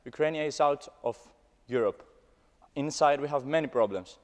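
A man's voice: a little high, moderate pace, a little mellow. A young man with a Greek accent, a student speaking his opinion from the floor, emphatic and repeating phrases. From Greece. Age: young adult. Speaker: student audience questioner. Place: large parliament chamber. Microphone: desk microphone, standing. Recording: echoey large hall, long reverb.

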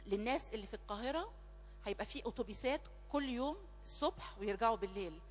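A woman with an Egyptian Arabic accent leading a church prayer meeting, speaking emphatically and repeating her phrases fervently. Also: medium pitch. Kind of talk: church announcements and spoken prayer. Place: large church hall. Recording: long church reverb, faint music behind.

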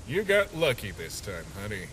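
A man voicing a sly, teasing skeleton sentry monster with a gruff streak and smug pet names, in a comic dub. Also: lowish voice, huge pitch swings, moderate pace, a bit bright, slight background noise, low-quality recording. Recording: music playing behind.

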